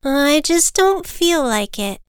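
A woman's voice: sits high, big pitch swings, takes it slowly, no echo, studio quality, voice pushed up, full character voice. A woman voicing a timid, sad young male bird in a children's storybook. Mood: sad, reluctant.

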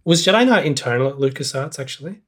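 A man's voice: mid-range voice, animated, quick pace, slightly rough. Wry self-mocking young man chatting. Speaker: podcast co-host. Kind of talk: casual chat.

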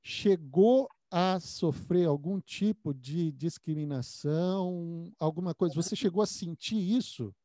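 A man's voice: a little high, a little slow, few pauses, warm tone, dry recording, studio quality. A man interviewing a guest in casual conversation, often repeating words while he thinks.

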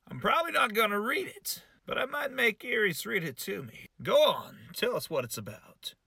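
A man's voice: sits high, very animated, normal speed, gravelly, pushed and bright, slightly rough, no echo, studio quality. A man hosting a comedy podcast, bantering with a guest in a sarcastic, mock-insulting way. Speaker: podcast host.

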